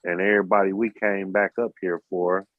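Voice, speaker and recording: Blunt, low-voiced man on a muffled line. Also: flat delivery, normal speed, no room sound. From United States. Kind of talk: casual chat. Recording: dry, muffled lo-fi call audio.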